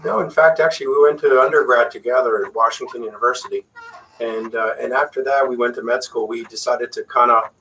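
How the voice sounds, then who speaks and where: A man's voice: mid-range voice, a little fast, recorded from a distance, slight background noise, low-quality recording. A middle-aged man from Puerto Rico whose first language is Spanish, a facial plastic surgeon chatting casually as a guest. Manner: relaxed, chatty, frequent fillers. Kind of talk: casual interview chat.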